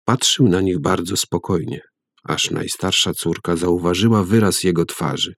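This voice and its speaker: A man narrating a story aloud in a measured, calm reading voice. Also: low-pitched, vocal fry, no echo, clean studio sound.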